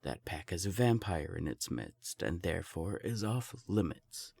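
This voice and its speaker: A man playing an ancient, powerful vampire in an audio drama, gravelly, taunting and self-assured. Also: deep voice, big pitch swings, measured pace, darkish tone, full character voice. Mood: commanding, self-assured. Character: smug, ancient, powerful male vampire enforcer. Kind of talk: scripted audio drama acting.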